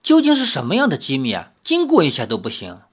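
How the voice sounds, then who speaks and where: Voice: medium pitch, huge pitch swings, fast, breathy edge. A reader voicing Anu, an impulsive, clingy young tribal girl, in a storybook audiobook. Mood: eager.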